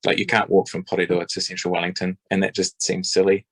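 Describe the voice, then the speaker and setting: A man's voice: deep voice, completely flat delivery, fast, dry recording. A man giving a rambling, hesitant spoken submission at a public forum, with many ums and restarts. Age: adult parent.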